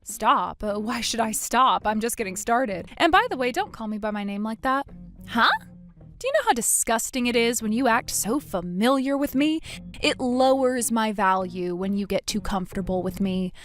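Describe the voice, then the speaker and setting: A woman's voice: on the high side, expressive, normal speed, a bit bright, soft background music. Woman doing a cold scornful woman. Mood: mocking. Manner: cold, cutting, mocking. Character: cold scornful woman, the wronged narrator in scene.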